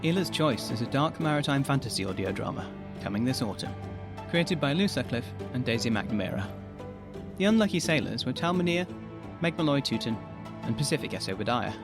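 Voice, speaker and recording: A man narrates scripted trailer credits. His voice is mid-pitched, with music clearly underneath. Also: animated, brisk. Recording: music behind the voice.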